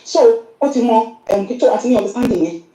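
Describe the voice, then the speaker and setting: Fast, dark-voiced Yoruba woman's voice message. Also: a little high, expressive. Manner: earnest, mixes English into her talk. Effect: recorded voice message played on the show. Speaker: caller sending a voice note. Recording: roomy voice message.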